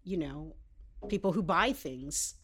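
An older American woman, a television writer, speaking as a guest in a casual interview, measured and reflective. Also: low voice, lively intonation, fairly bright tone. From United States. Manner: measured, reflective, thinks aloud.

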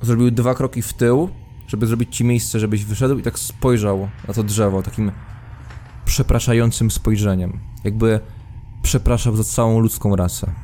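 A man's voice: on the low side, steady tone, normal speed, warm tone. A man working as game master, improvising narration for a tabletop role-playing game. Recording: faint background noise.

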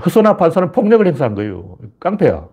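A man's voice: on the high side, wildly swooping pitch, quick pace, slightly rough, muffled recording. A man giving a heated political monologue, emphatic and blunt, acting out taunting questions. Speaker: political commentator.

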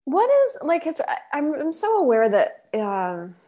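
A woman's voice: sits high, sing-song, a little slow, warm tone. A woman hosting a casual video-call chat, talking in a scattered way, often breaking off and restarting, with casual swearing. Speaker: podcast host and facilitator.

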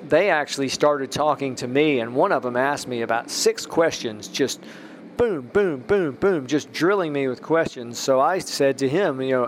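A man's voice: on the high side, slight background noise. A man hosting a casual Christian podcast, rambling with restarts and rising emphasis. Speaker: podcast host.

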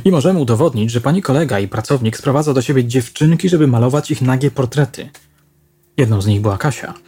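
Pushy angry lady cop, a guy doing her, husky mellow voice. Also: medium pitch, expressive, fast talker. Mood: accusing. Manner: sharp, pushy, accusing. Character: hot-tempered young woman police investigator.

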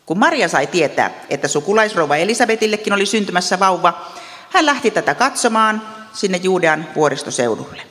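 Ostrobothnian woman as Bible teacher, lively storytelling asides, long hall reverb. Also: fairly low pitch. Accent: Ostrobothnian Finnish. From Ostrobothnia, Finland. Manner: lively, chatty asides with gentle humor.

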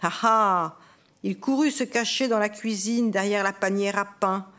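A woman's voice: medium pitch, moderate pace. A woman author reading her novel aloud at a festival reading, in an intense, dramatic first-person manner that also acts out the dialogue. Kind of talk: literary reading.

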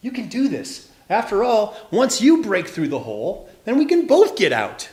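A man voicing an excitable, eager young male fish who exclaims, in a children's storybook. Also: high-pitched, normal speed, voice pushed up. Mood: urging. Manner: exclaiming, grunting with effort. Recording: roomy, echoing space.

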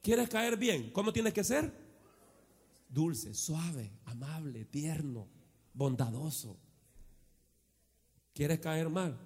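Male pastor, high voice, unhurried delivery, sermon in a reverberant church hall, shouts then drops to asides. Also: lively intonation, slightly rough. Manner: shouts and calls the congregation to repeat after him; swings from shouted exclamations to low conversational asides.

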